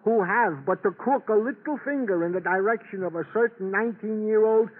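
A man's voice: high voice, fairly quick, a little hiss or hum, natural voice. An actor playing a chatty, wordy police officer briefing his lieutenant in a 1950s radio drama. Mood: wry. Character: chatty, wry police desk sergeant. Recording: tinny old radio broadcast.

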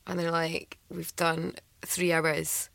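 A Scottish woman telling stories in a casual chat, acting out voices with big jumps in pitch. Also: flat delivery, slow, vocal fry, fairly bright tone, no echo. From Scotland. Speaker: guest.

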